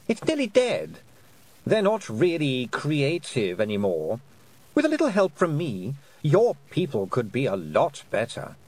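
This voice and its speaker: A man's voice: a little high, pitched above the performer's own voice. A man reading aloud and voicing a cruel, mocking fairy queen who taunts a girl. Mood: taunting. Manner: silky, taunting, condescending.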